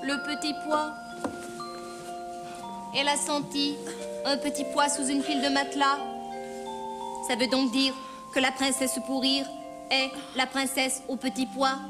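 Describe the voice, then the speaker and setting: A woman playing a theatrical queen mother in a children's fairy tale, with exclamatory, drawn-out delivery. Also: high voice, completely flat delivery. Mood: amazed. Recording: loud music behind the voice.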